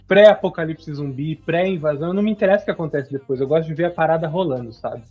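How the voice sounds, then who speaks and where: A man's voice: a little high, fast talker, highs cut off, soft background music. A man co-hosting a casual podcast chat, thoughtful and enthusiastic. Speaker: podcast co-host.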